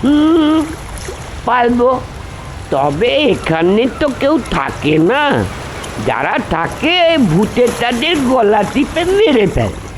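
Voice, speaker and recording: A performer playing a simple village lad, halting and plain-spoken, in a dramatized audio story. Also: mid-range voice, big pitch swings, slight background noise, poor audio. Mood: halting, matter-of-fact. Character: simple local village lad, son of the gardener.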